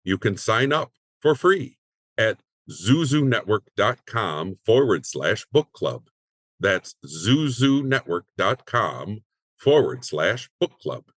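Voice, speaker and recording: A man's voice: fairly low pitch, sing-song, slow, fairly bright tone, no echo, clean studio sound. A man reading a scripted promotional announcement.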